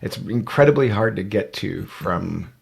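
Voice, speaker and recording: A man's voice: lowish voice, lively intonation, a little slow, gravelly. A man in his forties, a podcast guest telling his story in a rambling, casual way with many fillers and restarts. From United States. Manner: rambling, self-correcting storyteller with frequent fillers. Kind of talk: casual conversational interview.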